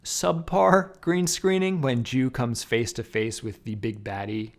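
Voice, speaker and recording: A man's voice: mid-range voice, creaky. A man narrating a scripted film review in an emphatic, wry way with casual asides. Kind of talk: scripted video essay narration.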